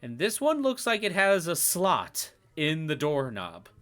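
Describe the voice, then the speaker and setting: A man's voice: a little high, huge pitch swings, a bit bright. A man narrating as game master of a tabletop game, laid-back and full of "um"s. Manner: laid-back, with frequent "um" and quick chuckles.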